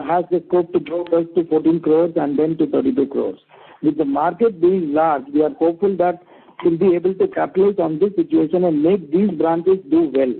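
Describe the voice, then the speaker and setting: A man's voice: on the high side, gravelly, slightly rough. A man with an Indian accent explaining things methodically as a company executive on an investor call. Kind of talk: explanatory earnings call answer. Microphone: conference phone call. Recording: muffled narrow phone line.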